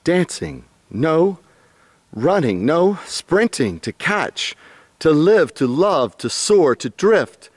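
A man reciting his own poem dramatically and fervently, halting phrase by phrase. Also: fairly high pitch, very animated, dry recording.

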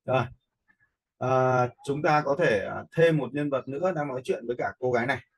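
A man giving a casual screen-share software lesson, often checking in with his learners through short questions. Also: medium pitch, brisk, slightly rough. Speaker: instructor in animation software tutorial.

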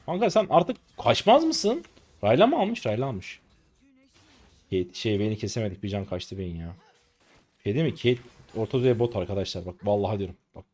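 A man in his late twenties giving live gameplay commentary as a streamer, excitable and exasperated, with rough slangy banter at teammates. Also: fairly low pitch, fairly quick. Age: late 20s. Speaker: gaming streamer.

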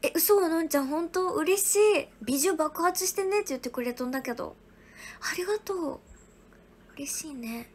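High-voiced young woman, soft and whispery. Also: animated, moderate pace. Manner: soft, often whispery, thanking viewers one by one. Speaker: livestream host. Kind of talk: casual livestream chat reading viewer gifts.

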